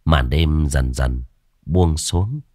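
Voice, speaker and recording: A man narrating a horror story in a lively, expressive way. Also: very deep voice, extremely slow, no echo, clean studio sound.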